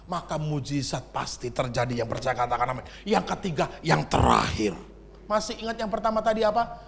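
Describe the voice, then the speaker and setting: High-voiced preacher leading a sermon. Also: male voice, gravelly. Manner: calls on the congregation to read along and answer; acts out shouting voices in the story.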